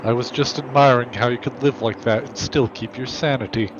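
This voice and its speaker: A man's voice: mid-range voice, fairly even intonation, brisk, lightly acted. A man voicing a cool, haughty, sardonic young man with a smug, condescending manner in a game playthrough. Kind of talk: amateur voiced playthrough of a visual novel game. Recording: dull mic with faint background noise.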